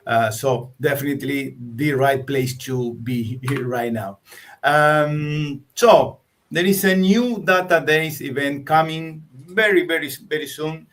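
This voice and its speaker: A man's voice: on the high side, takes it slowly, a bit bright. A man from Argentina co-presenting a tech webinar, hesitant and full of fillers and repeated words.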